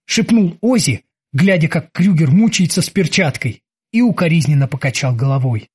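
Husky guy narrating an audiobook, lively ups and downs. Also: fairly high pitch, moderate pace.

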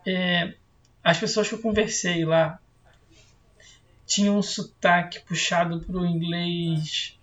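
A man's voice: high-pitched, little pitch movement, slow, pauses often, fairly bright tone, highs cut off. A man co-hosting a podcast, telling a story in a laid-back, slangy way full of fillers. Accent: Brazilian Portuguese. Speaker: podcast co-host. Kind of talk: casual chat over a video call.

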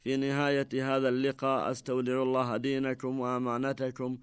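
A male scholar reads a radio lesson on Islamic law in a smooth, resonant voice. He delivers each text in a measured, formal way. The studio sound is close and dry, with no echo. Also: medium pitch, completely flat delivery. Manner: measured, formal recitation of texts. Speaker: Islamic scholar presenting a jurisprudence program. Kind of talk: reading a religious lesson on radio.

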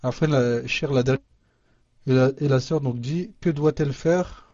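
A man moderates a call, reading listener questions in a halting way with frequent restarts. His voice is dark and mellow, and it sounds dry and muffled, as if over a lo-fi line. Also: medium pitch, no room sound. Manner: halting reading with restarts, Arabic religious phrases. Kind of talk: reading questions aloud, hesitant. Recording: muffled lo-fi audio.

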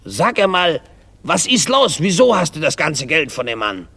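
A man voicing an indignant husband who finds a stranger in his bedroom, exclaiming in a high, outraged voice. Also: big pitch swings, unhurried, a little mellow, big-room sound, exaggerated voice.

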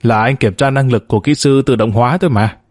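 A man voicing a mild, cautious husband in a read-aloud story, speaking in his own calm, even tone. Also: medium pitch, quick pace, no echo, studio quality, lightly acted.

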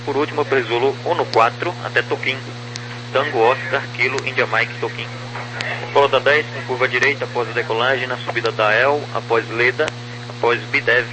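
A Brazilian man working as an air traffic controller, reading clearances in clipped, procedural phraseology over a crackly aviation radio. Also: medium pitch, fairly even intonation, fairly quick. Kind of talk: radio clearance phraseology, spelling with phonetic alphabet. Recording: noisy, humming air-band radio transmission.

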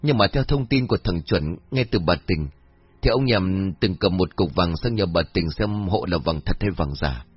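A man's voice: low voice, lively intonation, normal speed, slightly rough, no room sound, dull audio, soft background music. A man voicing a frightened young village man who begs and swears oaths, in a storybook reading. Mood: pleading. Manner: wailing, begging, swearing oaths.

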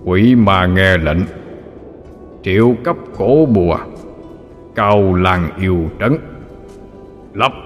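A man's voice: expressive, soft background music. A man doing a demon king with a doubled demonic voice. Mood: commanding. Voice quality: echoing, booming through the forest. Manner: slow, drawn-out and menacing. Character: evil ancient male forest demon king. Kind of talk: storybook narration with character voices.

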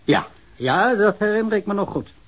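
Wry tipsy guy, chatty, a bit husky, radio play witness. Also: high voice, expressive, normal speed. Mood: wry, probing. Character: tipsy, talkative, sardonic male witness, fond of a drink. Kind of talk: naturalistic radio drama acting.

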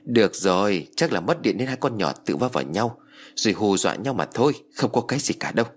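A man's voice: fairly low pitch, big pitch swings, fast, noisy background. A man voicing a practical middle-aged uncle who explains and brushes off fears. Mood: dismissive. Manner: matter-of-fact, dismissive.

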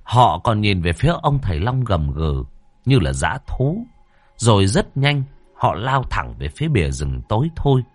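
A man tells a horror story. His delivery is dramatic and suspenseful, with wide swings in pitch. The sound is dry and close, with faint music underneath. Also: sing-song, measured pace, dry recording. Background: faint background music.

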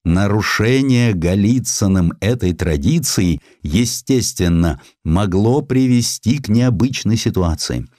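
A man reading a historical essay as an audiobook narrator, in an expressive, scripted literary style. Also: on the low side, a little slow, few pauses, no room sound, clean studio sound.

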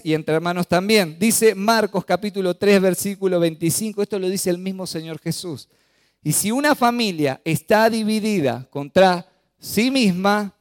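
Expressive pastor, smooth voice. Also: male voice, fairly high pitch, no room sound, clean studio sound. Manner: expressive preaching, acting out quoted voices. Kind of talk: sermon.

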